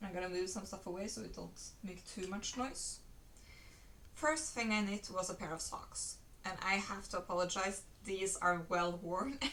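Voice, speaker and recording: A woman with a non-native accent speaks at a moderate pace in a bright, sharp, medium-pitched voice with ordinary pitch variation. Audible room echo surrounds her. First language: not English. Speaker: knitting podcaster. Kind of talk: casual video podcast show-and-tell. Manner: hesitant, many fillers.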